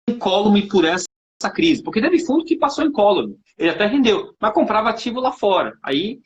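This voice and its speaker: A man's voice: high-pitched, very animated, brisk, lo-fi sound. A man from Brazil hosting a casual live finance chat, friendly and joking as he talks over a video call. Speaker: host and finance professor. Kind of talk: casual live-stream interview.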